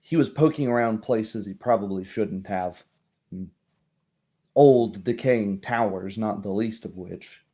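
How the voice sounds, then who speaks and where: A man's voice: on the low side, warm tone. A man playing a guarded, plain-spoken townswoman in a tabletop game, hesitant and choosing words with care. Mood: wary, hushed. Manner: hesitant, measured, picking words carefully. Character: guarded, plain-spoken townswoman talking over local mysteries.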